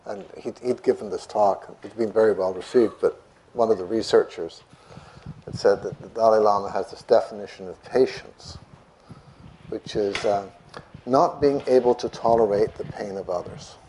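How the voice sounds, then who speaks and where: A man with a notoriously soft voice, a meditation teacher answering questions from an audience in a lecture room, gently restarting his words. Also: fairly low pitch, moderate pace, a little hiss or hum, rough recording. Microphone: microphone.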